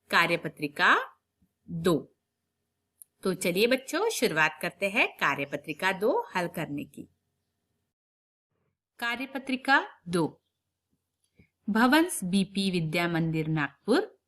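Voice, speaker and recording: A woman teacher speaks slowly to young pupils, drawing out each sentence and repeating it for them to follow. Her pitch moves a lot, and her voice sounds bright and clear. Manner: slow, drawn-out dictation with repeated sentences; quicker, explanatory asides to pupils. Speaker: primary school Hindi teacher. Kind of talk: online lesson for young children.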